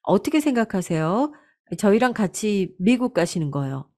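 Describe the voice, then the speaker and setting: A woman's voice: medium pitch, sing-song, moderate pace, mellow, close to an everyday voice. A woman voicing a scheming eldest daughter-in-law who talks sweetly but insistently, pressing her mother-in-law in a storybook drama. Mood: coaxing. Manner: persuasive, pushy, sweetly insistent.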